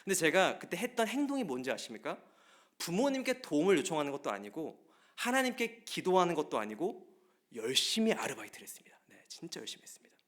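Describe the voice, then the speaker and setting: Lively, animated pastor preaching. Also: male voice, fairly high pitch, fast. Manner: lively storytelling, often addresses the congregation directly. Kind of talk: Wednesday service sermon. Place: church sanctuary.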